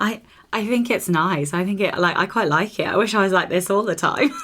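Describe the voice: A woman puts on a character voice that is husky and medium in pitch, with ordinary pitch variation. She talks at a fairly quick pace and her loudness stays very even.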